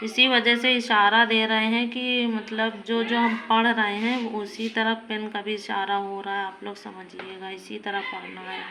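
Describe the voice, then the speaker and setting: Slow, patient woman teacher drilling letter sounds, clear background hiss behind her. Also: mid-range voice, flat delivery. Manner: slow, patient, drawn-out recitation with repetition. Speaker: Quran reading teacher. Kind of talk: slow recited reading lesson.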